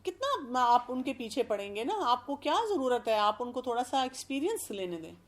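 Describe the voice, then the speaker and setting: A woman speaking as an expert guest, explaining calmly and working through everyday examples. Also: on the high side. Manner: calm, explanatory, gives examples. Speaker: expert guest giving parenting advice. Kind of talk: advice talk.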